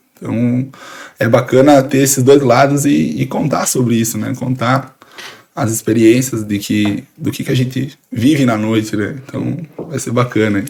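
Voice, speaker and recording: A man talks fairly slowly in a normal speaking voice. His pitch is medium, with ordinary variation. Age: 20s. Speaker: sushi chef. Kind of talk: podcast interview.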